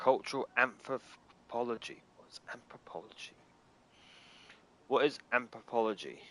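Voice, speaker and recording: A man with a strong Scottish accent, at a fairly slow pace, with long, frequent pauses. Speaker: gaming streamer. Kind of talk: casual gameplay commentary. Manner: halting.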